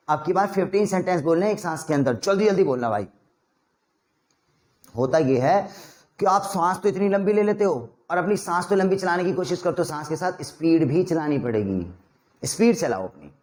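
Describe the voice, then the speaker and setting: A man with an Indian accent teaching a spoken English lesson, mixing Hindi with English and coaxing learners through rapid drills. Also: on the high side. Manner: energetic, coaxing drill instructor.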